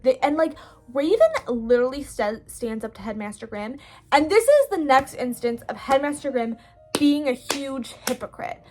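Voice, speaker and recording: High-voiced young woman; chatty, indignant online storyteller, soft music underneath. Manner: chatty, indignant, many "like" fillers. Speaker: video creator. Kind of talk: casual story recap.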